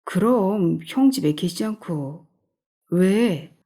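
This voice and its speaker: A woman's voice: medium pitch, expressive, slow, dark tone. A woman voicing a curt, irritable middle-aged husband in an audiobook.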